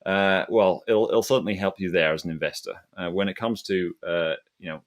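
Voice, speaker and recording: Guy hosting a money chat, really low voice, kinda halting and rambly. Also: fairly even intonation. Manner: hesitant, halting, rambling delivery. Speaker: host of an investment discussion. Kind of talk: casual panel discussion.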